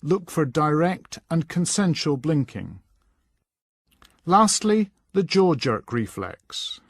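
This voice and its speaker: A man reading scripted instructional narration in a measured, instructing manner. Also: fairly high pitch, animated, breathy edge, dry recording. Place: dry voice-over recording.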